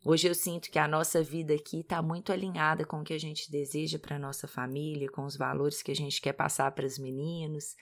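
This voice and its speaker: Mineira woman, podcast co-host, low and softly measured delivery. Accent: Minas Gerais Brazilian Portuguese. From Minas Gerais, Brazil. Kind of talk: podcast introduction.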